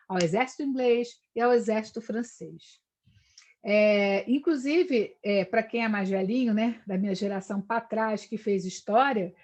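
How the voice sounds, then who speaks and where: A fairly high-pitched woman's voice with a darkish tone carries this live online history lecture. The speaker, a middle-aged Brazilian, rambles discursively and keeps adding "né?" tags to her sentences.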